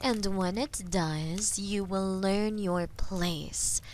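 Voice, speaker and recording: Haughty she-dragon, voiced by a woman, fantasy audio drama: drawn-out taunting delivery, breathy whispers, mid pitch, faint background noise. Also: darkish tone. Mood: menacing, patient. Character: haughty, menacing female dragon toying with captive knight. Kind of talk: slow, theatrical roleplay monologue in medieval fantasy audio drama.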